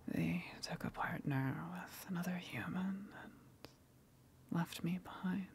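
A woman voicing a lonely, gentle tentacled sea monster in a breathy whispered ASMR roleplay, hesitant and earnest as she speaks. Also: on the low side, a little hiss or hum. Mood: wistful, lonely. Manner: hesitant, confessional, halting, earnest.

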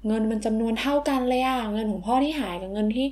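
A woman's voice: fairly high pitch, fast, darkish tone, close to an everyday voice. A woman voicing a mother in a toy story, firm and lecturing toward her son. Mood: stern. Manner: firm, lecturing, sweet endings. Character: stern but caring mother scolding her son.

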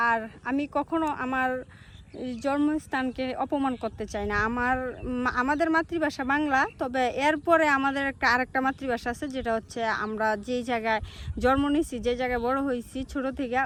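High-voiced Netrokona-accented young woman. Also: slight background noise. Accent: Netrokona Bengali. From Netrokona, Bangladesh. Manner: earnest, reflective storytelling. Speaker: social media creator. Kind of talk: personal talking-to-camera vlog.

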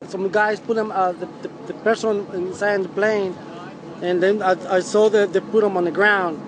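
Halting high-voiced man, noisy outdoors. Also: steady tone. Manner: halting, repeats words. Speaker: eyewitness. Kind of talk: unscripted street interview. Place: outdoors, roadside with trees. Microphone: handheld reporters' microphones. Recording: noisy outdoor news interview.

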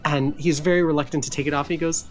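A woman's voice: low voice, steady tone, very fast, soft background music. A woman narrating a tabletop role-playing game as game master.

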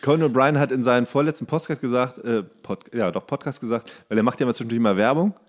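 A man's voice: mid-range voice, fast talker. A man co-hosting a podcast in casual comedic banter, rambling along in a jokey, mock-serious way. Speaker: podcast co-host.

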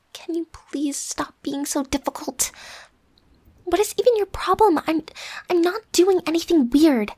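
A woman playing a bossy, defensive but secretly affectionate young roommate in an ASMR roleplay, huffy with breathy whispered asides. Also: high-pitched.

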